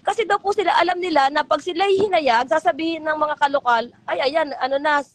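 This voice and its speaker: On an emotional call-in interview, a middle-aged woman who used to belong to a church talks as a guest in a high, brisk voice. She rambles with heartfelt feeling and quotes others in their own voices, acting out what they said to her.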